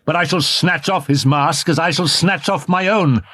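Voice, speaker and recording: A man's voice: high voice, expressive, unhurried, a bit bright, no echo, pitched above the performer's own voice, heavily acted. A man voicing a jealous, wounded young lover who lashes out with bitter, anguished words. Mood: furious, anguished. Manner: anguished, sarcastic outbursts.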